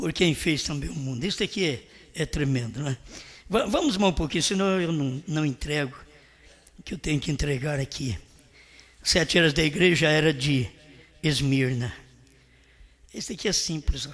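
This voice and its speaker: With long, frequent pauses, a man talks at a moderate pace with fairly high pitch and ordinary pitch variation. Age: 60s. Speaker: pastor. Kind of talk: sermon. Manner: animated.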